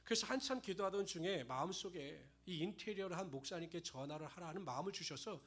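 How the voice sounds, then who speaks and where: Man, pastor, sermon, high-pitched, emphatic storytelling delivery. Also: expressive, fast, fairly bright tone, breathy edge.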